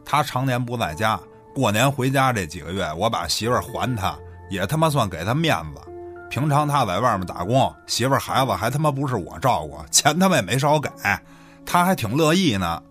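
An actor playing a brazen, cynical village boss in a Chinese radio drama, crude, sardonic and full of swearing. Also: male voice, medium pitch, very animated, fairly quick, a bit bright, soft background music. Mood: brazen, dismissive.

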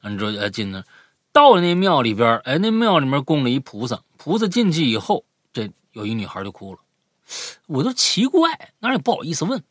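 Man, rambling casual storyteller, husky, dry close sound. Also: medium pitch, wildly swooping pitch, a little fast, fairly bright tone, no echo. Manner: loose, rambling delivery with many repeats. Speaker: podcast co-host.

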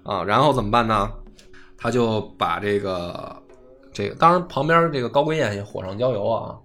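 A man, hosting a history podcast, retells court stories in casual, animated chat and swears now and then. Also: moderate pace, soft background music. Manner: animated, jumps up in pitch for quoted lines, swears casually.

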